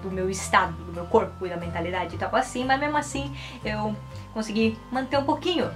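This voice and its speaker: A woman's voice: medium pitch, a little fast. A woman, chatting casually and animatedly to the camera in a rambling way. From Japan. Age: 20s. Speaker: YouTuber and Japanese teacher. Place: small indoor room. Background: background music.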